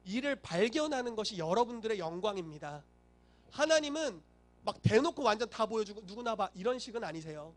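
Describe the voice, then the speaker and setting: A male pastor preaching a sermon, telling the story animatedly and acting out the voices he quotes. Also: very high-pitched.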